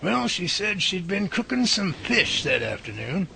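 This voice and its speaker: A man's voice: sits high, sing-song, measured pace, creaky, sharp tone, a little hiss or hum, full character voice. A man playing a folksy, confident research professor in a radio drama, explaining things and taking charge. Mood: wry, explanatory. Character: folksy, confident professor leading Bigfoot research, good-humored.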